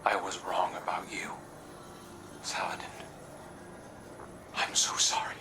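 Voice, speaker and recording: An actor playing a guilt-ridden, idealistic fighter in a video game, speaking in an anguished, halting, breathy way. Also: male voice, low-pitched, little pitch movement, whispered. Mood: remorseful. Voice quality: breathy, hushed. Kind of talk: dramatic game dialogue. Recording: loud music under the voice. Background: game music.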